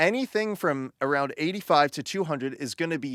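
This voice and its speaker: At a moderate pace, a man with a plain, everyday voice speaks at a fairly high pitch with lively intonation, recorded very cleanly, dry and close, with a silent background and no echo. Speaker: mix engineer teaching audio mixing. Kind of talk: tutorial. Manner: casual, conversational.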